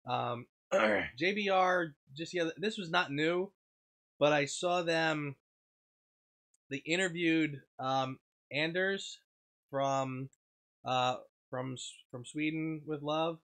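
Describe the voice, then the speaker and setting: A man hosting a casual livestream, stuffed up and sniffling, clearing his throat often and rambling as he answers viewer chat. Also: a little high, slow, long pauses, fairly bright tone. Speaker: livestream host.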